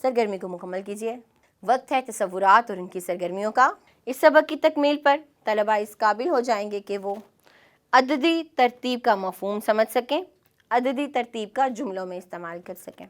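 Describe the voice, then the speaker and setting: A woman with a Pakistani Urdu accent, teaching a scripted classroom lesson in a clear, measured way. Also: on the high side. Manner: clear, measured instructional delivery.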